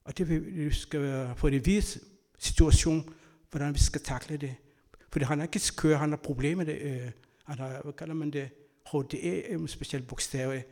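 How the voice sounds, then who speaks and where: A man giving an earnest sermon, telling personal stories and moving between loud and soft delivery. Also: fairly high pitch. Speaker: church speaker; school worker.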